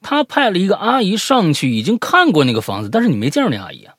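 Man, casual co-host, fast, very lively pitch, husky, dry sound. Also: no echo. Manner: short backchannels and quick questions. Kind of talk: casual chat.

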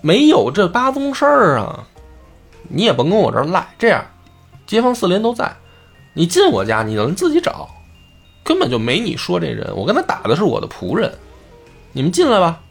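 A man's voice: high voice, wildly swooping pitch, moderate pace, gravelly, long pauses, breathy edge, faint music behind, voice pushed up, full character voice. A man voicing a flustered, huffy elderly male judge who protests in exasperation. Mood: protesting.

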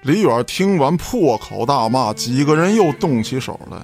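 A man's voice: mid-range voice, lively intonation, moderate pace, a little mellow, faint music behind. A man narrating an audio drama from a script in a dramatic storytelling style.

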